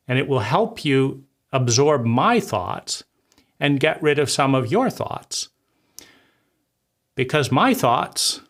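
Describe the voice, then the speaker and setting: A man's voice: mid-range voice, fairly bright tone. Argumentative man picking apart a book. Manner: argumentative, restarts and stacks rhetorical "right?". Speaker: host critiquing a book. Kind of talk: casual spoken commentary.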